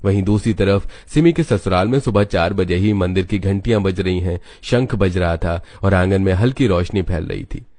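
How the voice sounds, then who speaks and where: A male narrator reads a scripted animated family story. His voice sits fairly low and he keeps a steady storytelling pace. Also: moderate pace, hardly any pauses, no room sound.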